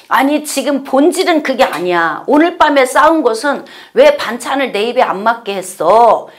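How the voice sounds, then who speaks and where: A woman's voice: high-pitched, moderate pace. A woman pastor giving a Bible study sermon, acting out everyday scenes in quoted voices as she teaches. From South Korea. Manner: lively, acts out little scenes in quoted voices.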